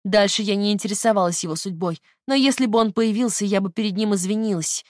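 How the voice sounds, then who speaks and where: Woman doing a shrill, childlike hypnotized woman. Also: a little fast, no echo, studio quality, natural voice. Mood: remorseful.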